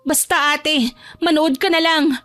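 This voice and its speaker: A woman's voice: high-pitched, steady tone, measured pace, fairly bright tone, dry recording, voice pushed up. A woman voicing a bitter, vengeful young woman in an audio drama, with a whiny, indignant, dramatic delivery.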